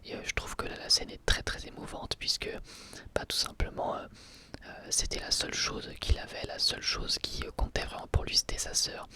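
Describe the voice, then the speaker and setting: An ASMR creator whispering an episode review, hesitant and full of fillers and restarts. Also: brisk. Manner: soft, breathy whisper throughout.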